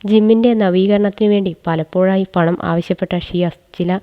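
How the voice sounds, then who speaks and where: A woman news reporter delivers a scripted report. Her voice sits a little low for a woman. The recording is thin and narrow, as if coming through a phone.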